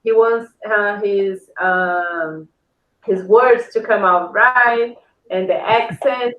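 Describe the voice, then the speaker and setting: A woman's voice: medium pitch, slow pace. A woman with a Brazilian Portuguese accent speaking English as a second language, chatting as an interview guest. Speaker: podcast guest, house-building company founder. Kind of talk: casual interview conversation. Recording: roomy echo, dull lo-fi call audio.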